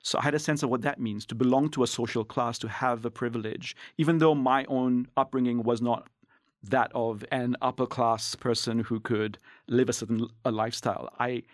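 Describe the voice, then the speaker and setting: A man's voice: medium pitch, dry recording. Thoughtful man from Singapore, dry studio sound. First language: English. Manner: thoughtful, measured, with restarts. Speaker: guest, anthropologist. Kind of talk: reflective interview talk.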